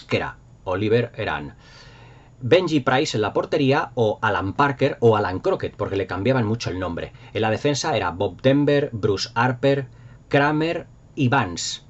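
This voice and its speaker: A man's voice: lowish voice, lively intonation, measured pace. A middle-aged man with an accent from Spain, chatting casually and nostalgically to viewers in an enthusiastic, rambling, emphatic way. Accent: Spanish from Spain. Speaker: YouTube host. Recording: dull lo-fi sound.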